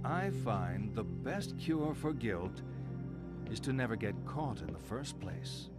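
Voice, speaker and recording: An actor playing a composed middle-aged male psychiatrist in a video game, telling things in a deliberate, theatrical way. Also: on the low side, very animated, over loud music. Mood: pointed, measured. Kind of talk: dramatic video game monologue.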